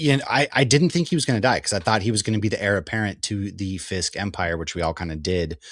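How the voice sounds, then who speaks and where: An animated man with an American accent, fairly low pitch, lively intonation and a fairly quick pace, on a very clean recording with a silent background. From Boston. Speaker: podcast host. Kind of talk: casual chat.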